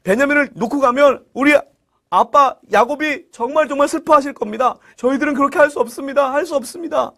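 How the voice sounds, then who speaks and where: A man's voice: expressive, normal speed, a bit bright. A man voicing Joseph's frightened older brothers in a children's Bible story, begging and pleading in a raised voice. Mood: desperate. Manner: pleading, desperate, high-pitched.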